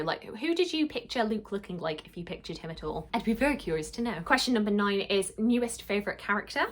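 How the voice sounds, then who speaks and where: A woman in her mid twenties giving a casual, chatty book review, expressive and emphatic in how she talks. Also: mid-range voice. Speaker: book vlogger.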